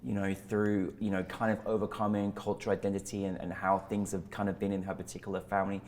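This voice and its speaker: A man's voice: low-pitched, completely flat delivery, fast, darkish tone. A man hosting a film interview, effusive and enthusiastic, rambling as he praises the film. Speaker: interview host. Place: indoor venue.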